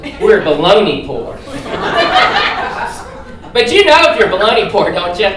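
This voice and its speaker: A high-voiced man with a Southern drawl works a theater crowd with loose, punchy stand-up. The sound comes from far off in a roomy, echoing hall, with clear noise underneath. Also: very animated, moderate pace. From Alabama, USA. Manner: punchy, conversational, with loud bursts to the crowd. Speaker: stand-up comedian. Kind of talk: stand-up comedy set. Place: comedy theater stage. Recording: echoey theater recorded from far off, noisy.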